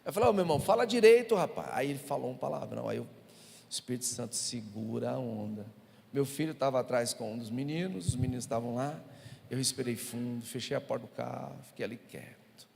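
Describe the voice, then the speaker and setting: A man's voice: medium pitch, a little fast, vocal fry, darkish tone, a little hiss or hum. A male pastor with a Brazilian Portuguese accent, preaching a sermon and telling humorous stories to the congregation. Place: church hall. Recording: reverberant church hall.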